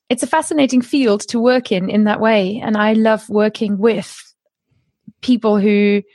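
With a mellow, mid-range voice and no echo, a language course creator in her thirties, whose native language is German, chats as a guest in a podcast interview. She laughs a lot and keeps restarting what she's saying.

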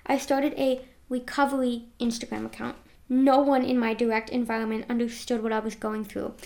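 A woman in her twenties reading her own personal memoir aloud in an earnest, reflective way. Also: fairly high pitch.

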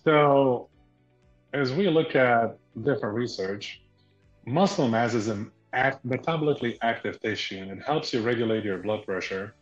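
A man from Slovakia, explaining fitness ideas as a guest in a measured way that slows to stress key points. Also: mid-range voice, roomy sound, dull audio, faint music behind. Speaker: guest, fitness product founder. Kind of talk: explanatory interview answers.

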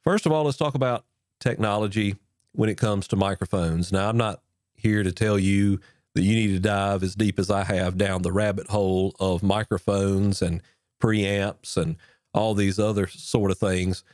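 A man's voice: fairly low pitch, fairly even intonation, moderate pace, darkish tone, dry recording. A man hosting a podcast as a pastor, talking close into a broadcast mic with a stuffed-up, nasal voice from illness, earnest and encouraging. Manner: earnest, encouraging, chatty with fillers. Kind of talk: instructional podcast talk. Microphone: dynamic broadcast mic, close.

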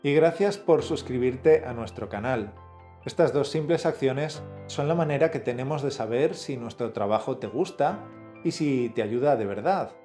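Brief: male lesson co-host, warm dark tone, measured explaining, faint music behind. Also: medium pitch. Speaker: language teacher, co-host. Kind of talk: scripted language lesson.

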